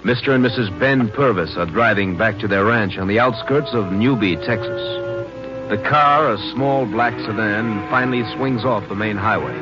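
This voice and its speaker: A man's voice: on the low side, moderate pace. A man giving scripted, scene-setting narration for an old-time radio drama. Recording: muffled old radio broadcast. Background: music.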